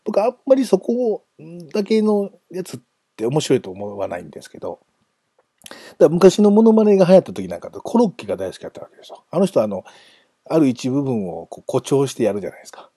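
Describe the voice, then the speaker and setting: A man's voice: on the high side, wildly swooping pitch, fast talker, warm tone, husky, no room sound. A man hosting a casual solo talk, chatty and self-amused, wandering off into asides. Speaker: podcast host.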